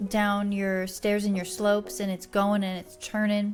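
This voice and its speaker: A woman speaks at a fairly slow pace. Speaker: gaming youtuber. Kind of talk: casual chat.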